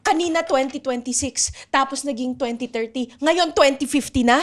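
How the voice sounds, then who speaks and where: A woman playing an excitable, bossy, questioning young woman in an improvised radio drama. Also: high voice, moderate pace, close to an everyday voice. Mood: suspicious.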